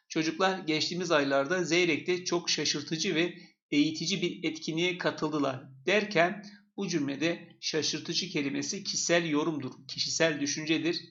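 A man's voice: fairly high pitch, a bit bright, muffled recording. A male teacher walking through exam questions step by step and repeating the key points.

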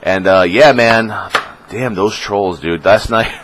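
Low-voiced young man rambling on his vlog. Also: slow, background noise. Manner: rambling, filler-heavy, swears and mocks trolls in squeaky voices. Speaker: streamer. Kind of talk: casual vlog talk.

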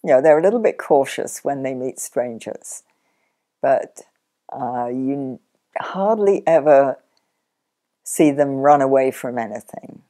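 An older woman sheep farmer, chatty and practical, explaining her farm work step by step in a relaxed interview at home. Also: extremely low pitch, slow pace, pauses often. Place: sunlit living room, in an armchair.

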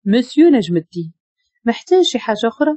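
Woman reading as a brisk, polite Moroccan secretary. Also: fairly high pitch, big pitch swings, warm tone, slightly rough, no echo. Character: polite young female secretary.

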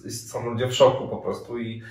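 A man's voice: medium pitch, level tone, a little fast. A man in his thirties, a volunteer coordinator answering interview questions, hesitant with many fillers and restarts. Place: room with armchairs and radiator, indoors. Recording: echoey room, mic at a distance.

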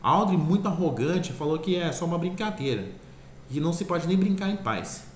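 A man with a higher voice and lively intonation casually retells a cartoon's plot at a moderate pace. He rambles, often corrects himself, and keeps repeating "é claro," recorded in an echoey room with faint ambient noise.

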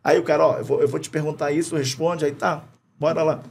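A middle-aged man from Rio de Janeiro with a Carioca accent, telling animated anecdotes full of slang, swearing and laughter as a podcast guest. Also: on the high side, quick pace, gravelly, husky. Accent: Carioca Portuguese. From Rio de Janeiro, Brazil. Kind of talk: casual chat, storytelling. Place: podcast studio.

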